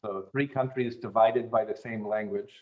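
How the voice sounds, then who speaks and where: Low-voiced man talking unhurriedly. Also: steady tone, highs cut off. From German-speaking Europe. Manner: unhurried, many fillers and restarts. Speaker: guest. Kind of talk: casual interview chat.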